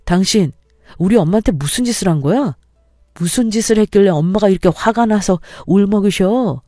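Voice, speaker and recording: An angry young husband who scolds and talks down in blunt, accusing bursts, as a woman narrator puts him on. The tone stays mellow and warm rather than sharp. The sound is dry and close, with no room around it. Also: fairly low pitch, expressive, normal speed, dry recording. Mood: indignant.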